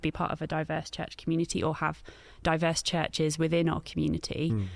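A woman talks at a very fast pace with a fairly low pitch and vocal fry. The recording is very clean, with a silent background. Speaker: mission organization field director. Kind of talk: panel discussion. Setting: recorded in a church.

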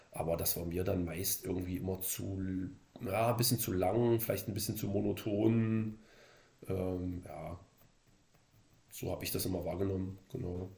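A man speaks at a moderate pace with a very deep, low pitch and a dark, mellow, somewhat breathy tone. His intonation is fairly even, with long, frequent pauses. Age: 30s. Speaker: cycling tourist. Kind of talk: casual interview.

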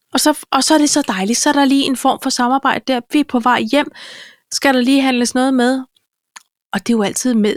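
A woman speaks at a moderate pace in a high voice with very even loudness. The sound is dry and close, with no echo. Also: ordinary pitch variation. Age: 40s. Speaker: podcast co-host. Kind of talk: casual chat.

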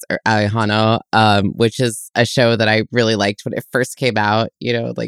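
In a dry, close recording with no echo, a man talks in an ordinary speaking voice, fairly low in pitch with ordinary pitch variation. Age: 30s. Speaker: podcast co-host. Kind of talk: casual chat.

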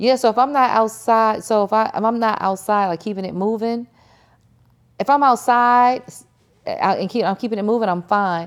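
A woman with a plain, everyday voice and an American accent speaks at a fairly high pitch and moderate pace, with ordinary pitch variation. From Washington, D.C. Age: 50s. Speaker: publicist. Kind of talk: interview.

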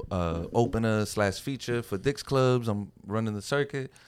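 Using a plain, everyday voice, a man with an American accent speaks at a moderate pace in a fairly low pitch with ordinary pitch variation. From Boston, Massachusetts (Dorchester). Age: 30s. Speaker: comedian and puppeteer. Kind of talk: casual chat. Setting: studio.

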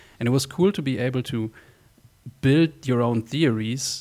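Speaking at a moderate pace with a German accent, a man comes through on a very clean recording with a silent background. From Germany. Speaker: visual effects artist. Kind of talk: interview. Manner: hesitant, many fillers.

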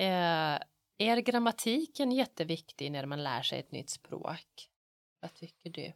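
In a very clean recording with a silent background and a dry, close sound with no echo, a woman with a non-native accent speaks at a fairly low pitch, with very wide pitch swings and big swings in loudness. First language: not Swedish (speaking Swedish). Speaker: language teacher and podcast host. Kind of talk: casual interview.

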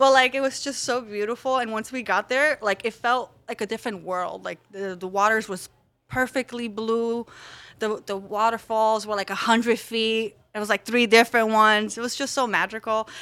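The woman's tone is bright and sharp, in a Polish accent. Her intonation stays fairly even. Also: fairly high pitch for a woman, moderate pace, very clean recording, silent background. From Poland. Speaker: adult film performer. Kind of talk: casual interview.

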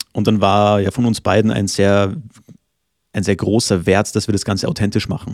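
A man with a dark, mellow tone talks at a fairly quick pace and a fairly low pitch. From Austria (German parents). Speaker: podcast co-host. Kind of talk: casual chat.

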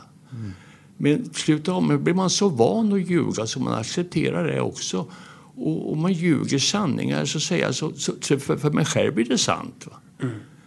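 At a moderate pace, a man talks while noticeable background noise carries on. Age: 70s. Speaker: retired recovering alcoholic. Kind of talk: testimony.

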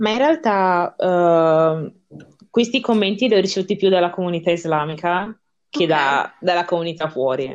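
A woman with a normal speaking voice, fairly low in pitch, at a moderate pace with ordinary pitch variation. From northern Italy, Veneto (Vicenza). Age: 20s. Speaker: social media page admin. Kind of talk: casual interview.

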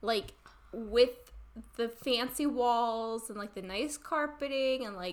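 Delivery comes at a very slow pace. The intonation stays fairly even. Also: woman. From Italy. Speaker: book podcast co-host. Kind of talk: casual chat. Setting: at home in her room.

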